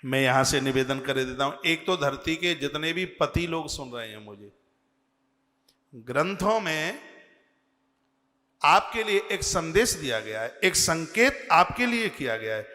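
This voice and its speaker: A man preaching a devotional sermon, speaking slowly and earnestly and chanting scripture verses. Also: fairly high pitch, lively intonation, bright, forceful tone, long reverb tail. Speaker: religious preacher.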